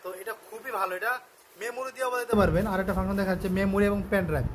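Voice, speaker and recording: A man with a Bangladeshi accent giving a casual product demonstration and sales pitch, explaining step by step and often repeating himself. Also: rapid-fire, over a noisy crowd. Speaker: shop seller presenting a product on his channel.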